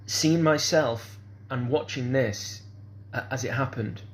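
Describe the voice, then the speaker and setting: A man with a medium-pitched voice speaks slowly in a rambling, hesitant monologue. He is full of fillers, keeps saying "kind of sort of," and often starts his sentences over.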